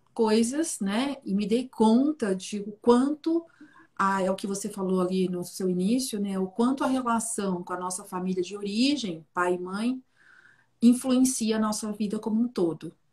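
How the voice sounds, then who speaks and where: A woman talks fairly slowly in a fairly high, somewhat breathy voice with ordinary pitch variation. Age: 50s. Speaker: family constellation therapist. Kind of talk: interview on a live stream.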